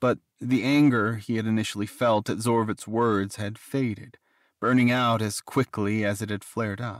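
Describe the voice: Someone does plain reading aloud, keeping a fairly even intonation, and the background stays quiet.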